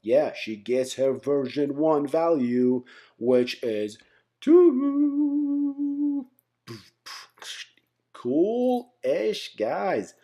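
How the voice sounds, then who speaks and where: A man's voice: fairly high pitch, sing-song, very slow, dark tone. A man giving an informal explainer lesson as an instructor, conversational and often checking in with his listeners. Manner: conversational, often checks in with "right?", "okay?", "guys". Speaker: software engineering instructor, channel host.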